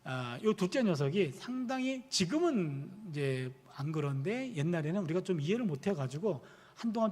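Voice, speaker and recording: A man in his fifties, a pastor and professor, preaching a sermon full of personal stories and acting out the dialogue. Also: on the high side. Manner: animated storytelling, acting out quoted dialogue. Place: church sanctuary. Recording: long reverb of a church hall.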